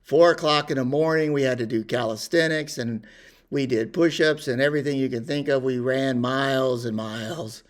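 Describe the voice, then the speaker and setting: An older man telling a personal story in a rambling, unhurried way with many pauses and fillers. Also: medium pitch. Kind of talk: casual spoken reminiscence.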